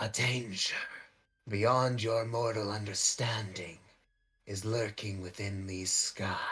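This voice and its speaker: A man whispers in a raspy, put-on character voice. He goes at a fairly slow pace with long, frequent pauses. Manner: whispering, menacing.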